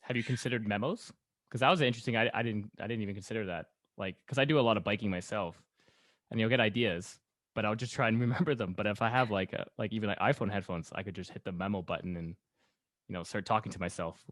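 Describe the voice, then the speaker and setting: A man hosts a casual conversation at a quick pace. His voice sits a little low and is recorded dry, with no room around it. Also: fairly bright tone, no echo. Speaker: podcast host. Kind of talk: casual chat.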